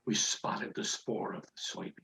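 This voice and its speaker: A man telling a mock-serious tall tale as a theatrical storytelling speech, with dramatic pauses and deliberate phrasing. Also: sharp tone. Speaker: Toastmasters contest speaker telling a tall tale. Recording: echoey room, dull muffled audio.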